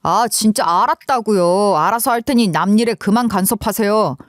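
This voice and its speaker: A woman's voice: mid-range voice, normal speed, no echo, studio quality, lightly acted. A woman voicing an arrogant, contemptuous young man in a dramatized story, with a sneering, dismissive drawl.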